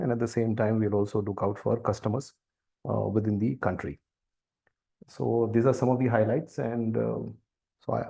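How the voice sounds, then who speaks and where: A male company executive addresses investors on a conference call. His voice is mellow and relaxed with some fry. He explains in a deliberate, halting manner, working through each point carefully. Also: lowish voice. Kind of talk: earnings call briefing.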